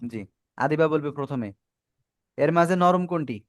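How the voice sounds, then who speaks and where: A man's voice: a little high, normal speed. Patient male teacher on a video call. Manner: patient, prompting and praising pupils. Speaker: Quran teacher. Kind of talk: online class instruction.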